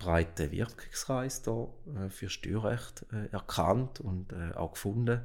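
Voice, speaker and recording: Very slowly, a man talks in a fairly low pitch. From eastern Switzerland, St. Gallen. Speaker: lawyer. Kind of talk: interview. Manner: hesitant, many filler sounds.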